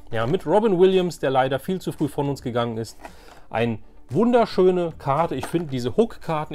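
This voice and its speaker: Higher-voiced man, enthusiastic collector vlog. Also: warm tone. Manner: enthusiastic, rambling, repeats himself. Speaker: host of a toy collecting channel. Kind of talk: casual show-and-tell vlog.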